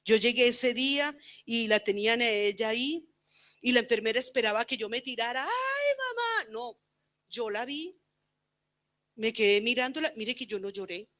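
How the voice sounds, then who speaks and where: Bright-voiced woman preaching a testimony. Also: fairly high pitch, moderate pace. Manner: earnest, swings from loud fervent prayer to hushed quiet. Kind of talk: personal testimony sermon. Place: church women's camp gathering.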